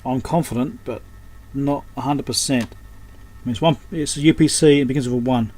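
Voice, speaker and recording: At a moderate pace and with a darkish tone, a man of medium pitch narrates his repair work unscripted and casually, reasoning out loud. He runs an electronics repair channel, and there's obvious noise behind him.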